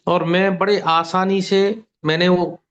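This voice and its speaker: A man in his fifties from near Gwalior, giving a steady, detailed personal testimony on a video call. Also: sits high, slow pace. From India, near Gwalior. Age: 50s. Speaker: testimonial guest. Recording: muffled online call audio.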